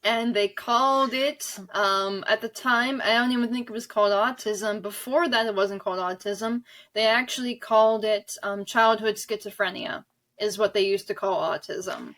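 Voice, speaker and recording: A woman's voice: medium pitch, normal speed, a bit bright. A woman guest in a conversational podcast interview, talking in an earnest, emphatic, rambling way. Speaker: interview guest, author and audio drama director.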